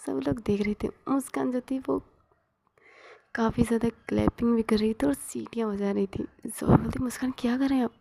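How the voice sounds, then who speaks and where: Husky whispering woman storyteller. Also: fairly high pitch, fairly even intonation, brisk. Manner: soft whispered narration, voicing all characters herself. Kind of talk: whispered role-play.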